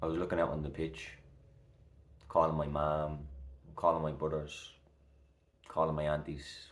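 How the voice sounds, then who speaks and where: In a Dublin accent, a man with a very deep, low voice speaks at a moderate pace, monotone and flat, with long, frequent pauses and audible room echo. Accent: Dublin Irish. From Ireland, Dublin. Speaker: mental health vlogger. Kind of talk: personal vlog monologue. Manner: emotional, reflective.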